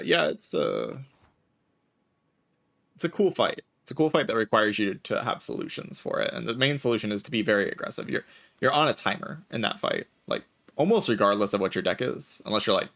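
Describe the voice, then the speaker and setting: A man streaming a game, chatting casually in a relaxed, raspy voice with vocal fry, often saying "like". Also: fairly low pitch. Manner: relaxed, laid-back, chatty with filler "like". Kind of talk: casual chat while gaming.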